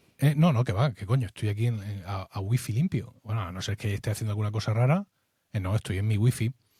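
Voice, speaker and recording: A man with a Murcian accent talks at a very fast pace in a somewhat breathy, dark, mellow tone, recorded very cleanly against a silent background with a dry, close sound and no echo. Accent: Murcian accent from the Ricote Valley. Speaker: podcast host. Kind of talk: casual panel debate.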